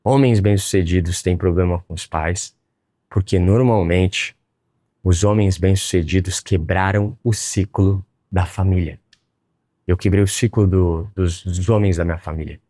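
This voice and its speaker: A man's voice: deep voice, steady tone, unhurried, warm tone, dry recording, clean studio sound. A man with a Brazilian accent telling a personal story in a blunt, profane, emphatic way, as a motivational speaker. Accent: Brazilian Portuguese. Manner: addresses viewers as "rapaziada". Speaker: online business educator.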